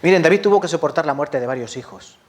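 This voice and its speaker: A man with a Spanish accent from Spain preaches a sermon in a voice a little higher than most men's. He speaks with passion, putting questions to his listeners and answering them himself. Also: animated, quick pace. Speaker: pastor.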